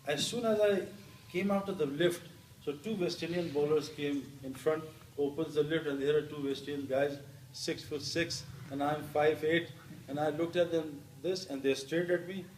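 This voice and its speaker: A middle-aged man from Pakistan, an interview guest and former cricketer, telling stories warmly with many fillers. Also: a little high, steady tone, normal speed, slight background noise. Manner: warm anecdotal telling with many "you know" fillers. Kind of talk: storytelling in an interview. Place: hall with an audience. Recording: roomy hall, voice picked up from a distance.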